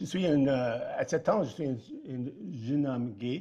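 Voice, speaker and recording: A somewhat breathy man's voice of medium pitch and dark, mellow tone, against a quiet background. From Quebec. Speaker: politician. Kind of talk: political debate speech. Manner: halting.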